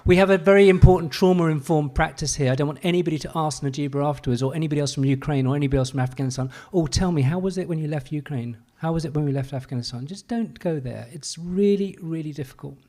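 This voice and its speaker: A man hosting an event, introducing the next speaker in an energetic, emphatic way. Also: fairly high pitch, fast talker, hardly any pauses. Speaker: program host.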